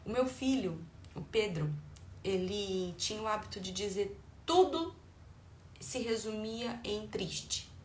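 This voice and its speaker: A woman's voice: medium pitch, expressive, slow pace. A middle-aged woman with a Brazilian Portuguese accent talks parents through advice as a parenting educator. She explains patiently, at times acting out what she says to her children. The room is echoey with a faint hum of ambient noise behind her. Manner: warm explanatory tone, acts out dialogue with her children.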